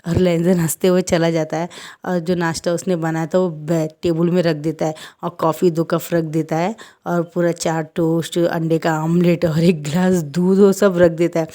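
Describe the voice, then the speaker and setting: A woman's voice: fairly low pitch, little pitch movement, moderate pace, warm tone. A woman casually retelling a fan-fiction story in a chatty, conversational way.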